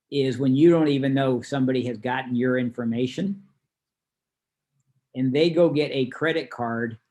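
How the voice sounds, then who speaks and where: A man's voice: medium pitch, darkish tone. A man working as a class instructor, explaining things conversationally in an informal online lesson. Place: online video call.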